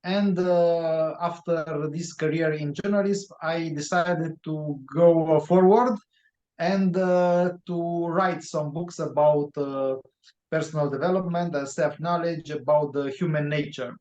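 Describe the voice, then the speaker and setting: Slow, halting Romanian-accented man. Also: on the high side, steady tone, darkish tone. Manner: halting, many fillers. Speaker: guest author. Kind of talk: interview answers. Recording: roomy, dull lo-fi sound.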